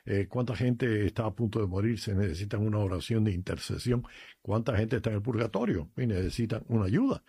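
Un sacerdote cubano con acento cubano, que habla con fervor y cuenta anécdotas personales en un programa de radio. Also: male voice, medium pitch, warm tone, slightly rough, no echo. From Cuba. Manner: earnest, emphatic, tells personal stories. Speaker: priest, regular guest. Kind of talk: radio chat on faith.

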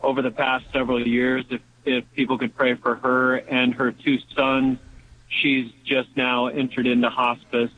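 A man calling in to a radio show, speaking haltingly with many pauses. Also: medium pitch, little pitch movement. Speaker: caller. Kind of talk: phone-in request. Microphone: telephone. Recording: phone line.

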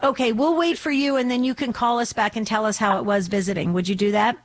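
Slightly hoarse woman hosting call-in radio. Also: a little high, fairly even intonation, fast talker. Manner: warm, devout, chatty with frequent restarts. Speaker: radio show host.

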